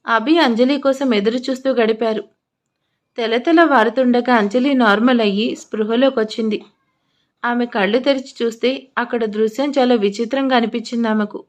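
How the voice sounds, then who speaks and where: A woman narrating a romance audio story, acting out the lovers' lines with feeling. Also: fairly high pitch.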